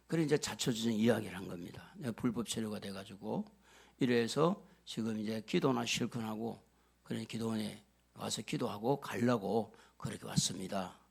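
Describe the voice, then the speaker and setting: A man preaching a sermon as pastor, telling stories with acted-out dialogue and swinging from loud exhortation to hushed near-whispers. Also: medium pitch, gravelly, slightly rough.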